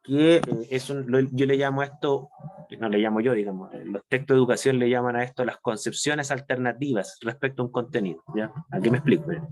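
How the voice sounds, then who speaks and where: Lecturing online to a university chemistry class, a man with a somewhat dark tone and a normal pitch works through the material patiently. He eases his pace on key points, and his frequent tag questions check that everyone is following along.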